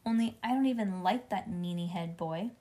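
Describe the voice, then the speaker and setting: A woman voicing a stubborn, excitable little girl from a storybook, complaining indignantly in childish grammar. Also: on the low side, moderate pace, close to an everyday voice. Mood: indignant, whiny. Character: stubborn, whiny, excitable little girl narrating her troubles.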